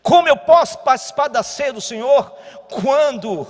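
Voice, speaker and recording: A Brazilian pastor preaching a sermon, moving between quiet teaching and loud exhortation. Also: male voice, extremely high pitch, animated, moderate pace. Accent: Brazilian Portuguese. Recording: long church hall reverb.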